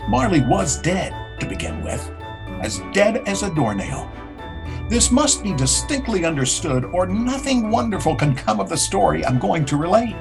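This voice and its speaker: A man narrating a classic story theatrically, dropping at times into hushed tones. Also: high-pitched, sing-song, moderate pace, over music. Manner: theatrical, with hushed breathy drops.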